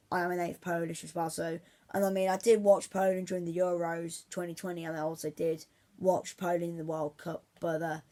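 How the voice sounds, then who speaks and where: A man giving casual football predictions on his vlog, rambling and repeating himself with many restarts. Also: high voice. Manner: rambling, says "obviously" constantly, many restarts; fan-like, insistent about his team. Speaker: football vlogger.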